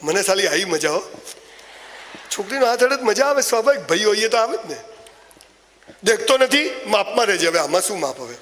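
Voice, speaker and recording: A man giving a comic motivational speech, telling stories with animated, mocking asides. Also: high-pitched, fast, long reverb tail, slight background noise. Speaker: motivational speaker.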